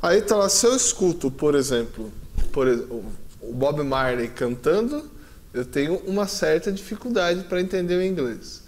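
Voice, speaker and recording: A man hosting a TV interview, asking long questions with pauses and rephrasing. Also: a little high, big pitch swings, a little mellow. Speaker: TV host.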